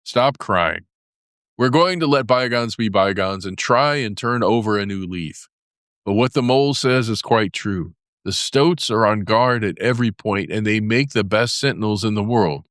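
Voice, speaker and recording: A man's voice: on the low side, animated, moderate pace, fairly bright tone, dry recording, studio quality. A man doing a stern old storybook badger. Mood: calm. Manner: severe, commanding.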